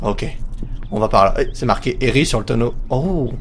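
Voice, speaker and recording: A man commentating a horror game as he plays it, jokey and excitable, talking to himself. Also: medium pitch, fast, slight background noise. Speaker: let's play host.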